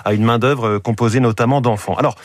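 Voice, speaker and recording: A man giving a radio economics segment in a lively, chatty way, quizzing the host along the way. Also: mid-range voice, fast talker, no room sound. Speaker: economics columnist. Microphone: studio microphone.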